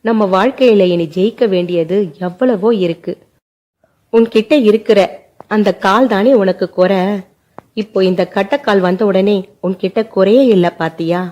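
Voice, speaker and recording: A woman's voice: mid-range voice, moderate pace, warm tone, lightly acted. A woman voicing a remorseful, tearful young man who pleads with the woman he loves, in a told family story. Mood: comforting. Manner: pleading, sobbing delivery. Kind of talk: storytelling narration.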